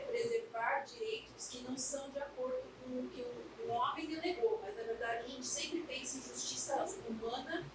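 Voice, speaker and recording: A Brazilian woman giving a spontaneous answer as a participant in a class, recorded from far off in an echoey, noisy room. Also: high voice.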